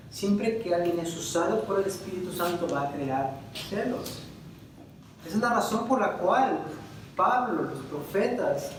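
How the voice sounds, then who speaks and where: A man's voice: high voice, slight background noise. Emphatic Puerto Rican man preaching in an echoey room. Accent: Puerto Rican Spanish. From Puerto Rico. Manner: emphatic, swings between loud stresses and slow drawn-out words; addresses the audience directly with questions. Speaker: Bible teacher. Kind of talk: Bible class lecture, preaching style. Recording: very echoey, distant room recording.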